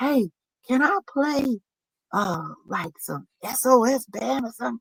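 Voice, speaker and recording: A woman whispers in a put-on character voice. Her pace is fairly slow. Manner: whispering.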